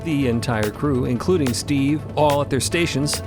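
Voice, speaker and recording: A man's voice: medium pitch, normal speed. A man giving scripted, literary narration for an audio drama. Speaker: narrator and voice actor. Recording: loud music behind.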